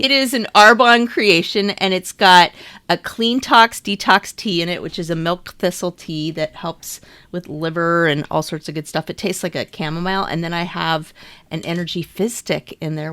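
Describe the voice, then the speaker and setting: A middle-aged woman co-hosting a podcast, bubbly and quick to react. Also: on the low side, creaky, fairly bright tone, no room sound. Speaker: podcast co-host. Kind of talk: casual chat.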